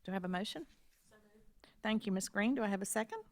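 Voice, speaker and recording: A woman's voice: mid-range voice, lively intonation, quick pace, no echo. Woman, board chair, procedural and polite, dry close sound. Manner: procedural, polite, with small restarts. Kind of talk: chairing a formal meeting.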